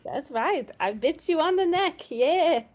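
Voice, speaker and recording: A woman's voice: very high-pitched, expressive, measured pace. A woman playing an earnest, romantic male vampire in a comedy table read, chatting hesitantly as if interviewed for a documentary. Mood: fond.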